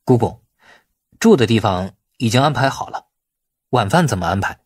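A man's voice: mid-range voice, lively intonation, moderate pace, husky, no echo, clean studio sound. A man voicing a deferential, placating nephew in an audiobook drama. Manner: explaining, placating.

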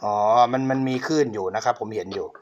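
In a fairly low, expressive voice at a quick pace, a middle-aged man demos an old cassette player for sale on his own channel. He is courteous and speaks to viewers often; the audio is dull, with background noise.

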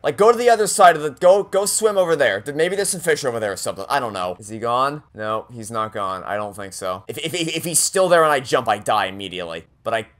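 A man's voice: medium pitch, animated, fast, few pauses, fairly bright tone. Exasperated, sweary man playing games. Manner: exasperated, sweary, repeats words anxiously. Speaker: video game streamer. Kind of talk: casual gaming commentary.

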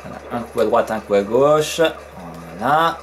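Over faint game music, a man with a mid-range voice talks at normal speed through a casual let's play. His commentary is chatty and full of fillers, and he swears whenever something surprises him.

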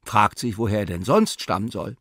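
A man's voice: lowish voice, sing-song, normal speed, gravelly, a bit bright, no room sound, clean studio sound, exaggerated voice. A man voicing a vain, scruffy male stray dog who muses to himself in a self-satisfied way.

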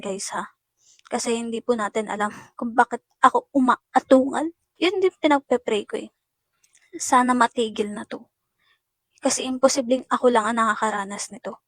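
Speaking at a moderate pace with a fairly bright tone, a woman shares an emotional first-person account of an incident straight to viewers she keeps calling guys. Her slightly high voice comes in uneven bursts, and the sound is dry and close with no room.

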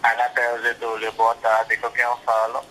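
A man's voice: mid-range voice, monotone, normal speed, background noise. A man with a Brazilian Portuguese accent, working as a call-center attendant, answers a customer in a polite, scripted, businesslike way, heard through a phone on speakerphone.

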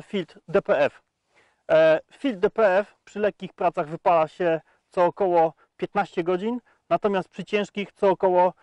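A man's voice: fairly high pitch, darkish tone, no room sound. A man in his thirties presenting a tractor test outdoors in a field, talking with frequent hesitation sounds between facts. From Poland. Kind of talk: product review walkaround.

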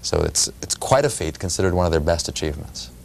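A man from New York City with a very low, deep voice, recounting events in a measured, explanatory way. He speaks in a quiet television studio on a lapel mic, with a faint hiss behind him. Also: sing-song, creaky. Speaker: author and radio reporter. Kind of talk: studio interview answers.

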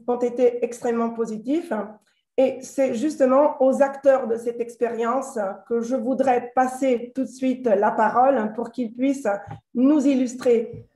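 Soft-toned woman moderator, higher-pitched voice. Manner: hesitant, phrase by phrase. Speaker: host, moderator. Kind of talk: semi-formal introduction at an online meeting. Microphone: video call. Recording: roomy, echoey video call.

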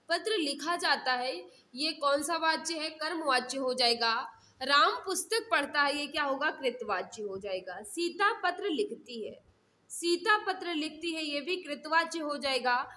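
Repeating important phrases for viewers, this teacher reads questions and explains answers in a live online mock-test lesson. She speaks in a high, sharp-toned voice.

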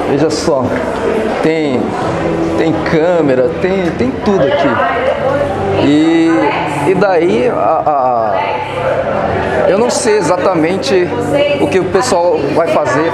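A middle-aged man with a Brazilian Portuguese accent, giving a halting, explanatory walk-through commentary to camera in a casual style. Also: high-pitched, heavy background noise. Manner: halting, explanatory, often seeking agreement with tag words. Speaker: accessibility vlogger. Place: on location at a stadium, outdoors then indoor concrete halls and restroom.

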